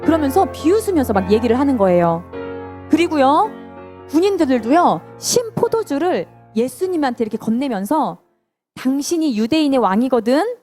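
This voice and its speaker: Woman preacher for a kids' service, high and lively, mellow tone, soft music underneath. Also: moderate pace. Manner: storytelling, asks the children questions. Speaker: children's sermon preacher. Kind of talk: children's sermon.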